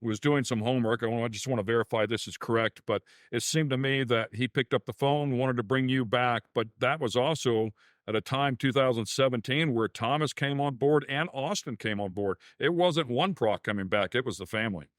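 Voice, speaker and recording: A man's voice: mid-range voice, a little fast, no room sound, clean studio sound. A man co-hosting a talk show, asking questions in a chatty, enthusiastic way. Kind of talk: interview questions.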